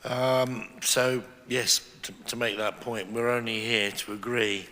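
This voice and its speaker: A man chairing a council committee meeting, his voice hoarse and breaking up, moving through business in a brisk, procedural way. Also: mid-range voice, fairly even intonation, pushed and bright. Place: council chamber. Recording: reverberant chamber webcast.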